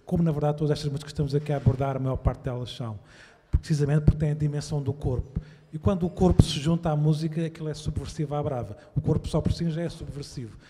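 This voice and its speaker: A man's voice: a little high, steady tone, fast talker, mellow, in a large hall, a little hiss or hum. A man, talking thoughtfully and emphatically as a debate panelist. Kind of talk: reflective panel talk.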